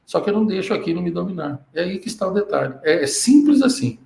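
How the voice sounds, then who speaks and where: A man's voice: big pitch swings, fast talker, gravelly, dark tone. A man, coaching students through a live Q&A, emphatic and often checking that they understand. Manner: emphatic, keeps checking "understand?" with sudden upward pitch jumps. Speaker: emotional-control coach answering students. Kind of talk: live Q&A teaching. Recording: roomy echo.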